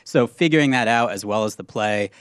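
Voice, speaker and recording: A man guest on a sports betting podcast, talking through odds in a measured, analytical way. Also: fairly low pitch, clean tone, no echo. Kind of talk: casual podcast chat.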